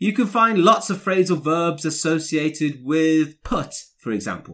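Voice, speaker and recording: With a British accent, a man speaks at a high pitch and a fairly slow pace, his bright, sharp tone making very wide pitch swings on a very clean recording with a silent background. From UK. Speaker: English teacher podcaster. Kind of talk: educational podcast monologue. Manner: clear, deliberate for learners.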